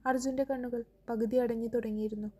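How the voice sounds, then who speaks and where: A woman narrates a romantic novel in a steady, scripted storytelling manner. Her voice is slightly high but very flat, with almost no rise and fall. The tone is deep-mellow with a husky edge. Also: fairly quick.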